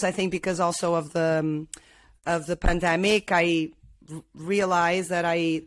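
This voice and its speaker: A woman's voice: fairly low pitch, dry recording. A middle-aged woman from Portugal, a guest talking casually in an interview, often restarting her sentences. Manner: hesitant, many restarts and fillers. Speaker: guest, angel investor.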